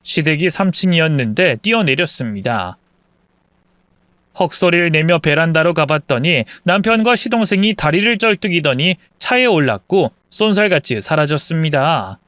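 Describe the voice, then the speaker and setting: A narrator reading a dramatic true-story account in a steady, scripted way. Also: medium pitch, moderate pace, no echo, studio quality.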